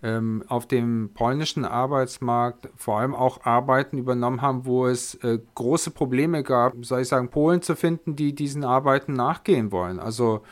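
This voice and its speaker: Picture a man in the host's chair of a spoken discussion, talking at an ordinary middle pitch. He halts often, restarts phrases and gropes for the right word before he lands on it. He likes to pull the threads together and sum up. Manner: halting, searching for words, summarizing. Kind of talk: conversational discussion.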